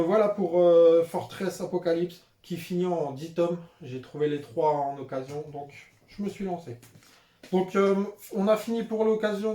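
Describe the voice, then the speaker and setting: Slightly high with a dark tone, the young man's voice carries through an echoey room as he chats off the cuff about his new manga. He hesitates constantly, leaning on "euh" and "voilà."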